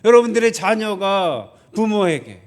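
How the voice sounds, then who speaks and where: A man's voice: sits high, big pitch swings, unhurried. A male pastor preaching a sermon to his congregation, asking rhetorical questions and acting out grumbling children in quoted lines.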